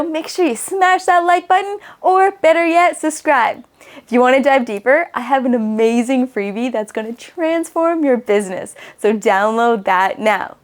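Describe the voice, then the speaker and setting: A woman host presenting a tutorial in an instructive, conversational way, as an online educator. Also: high voice. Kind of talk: tutorial narration to camera.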